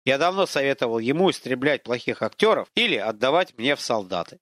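A man voicing an invisible, boastful male war god who mocks and lectures in a pompous, drawn-out, declamatory way. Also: mid-range voice, very animated, fairly bright tone, no echo, clean studio sound. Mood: haughty.

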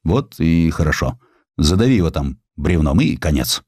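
A man's voice: extremely low pitch, sing-song, normal speed, a little mellow, husky, no room sound, studio quality, exaggerated voice. A man voicing a stern, imperious conservative newspaper editor, curt and commanding, in an audiobook.

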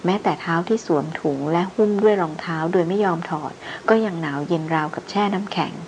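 A woman reads a novel aloud in steady, even narration. Her voice is on the low side, and a faint background hiss runs under it. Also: fast, low-quality recording. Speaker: audiobook narrator.

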